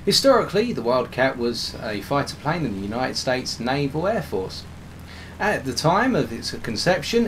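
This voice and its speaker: Male game commentator, mid pitch, slightly hoarse, explanatory, faint noise behind. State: hoarse, losing his voice. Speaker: gameplay commentator. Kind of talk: game commentary over gameplay.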